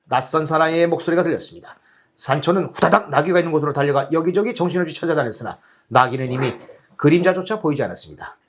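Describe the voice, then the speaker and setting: A man's voice: fairly high pitch, fast. A man working as a storyteller, narrating a children's tale in a dramatic, scripted style.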